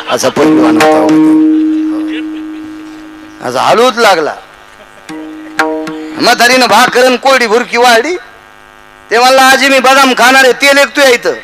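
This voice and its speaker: Recorded in low quality, this man's fairly high voice delivers a kirtan sermon to a live devotional audience. Full of animation, he tells funny anecdotes and performs the voices of their characters.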